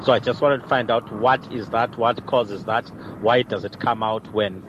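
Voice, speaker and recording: A man's voice: medium pitch, fairly even intonation, moderate pace. A man leaves a hesitant voice message, with lots of uh and restarts, played on air as a listener question. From Lombardy, Italy. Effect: recorded voice message played on air. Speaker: listener calling in. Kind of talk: casual voice message. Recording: muffled lo-fi voice note with street traffic.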